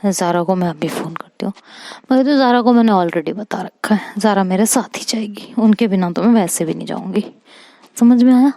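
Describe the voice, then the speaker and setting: Female storyteller, chatty first-person love story with quoted dialogue; warm dark tone, dry close mic. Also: mid-range voice, no echo. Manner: chatty, quotes friends in quick back-and-forth. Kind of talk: first-person story told aloud, voicing friends' dialogue.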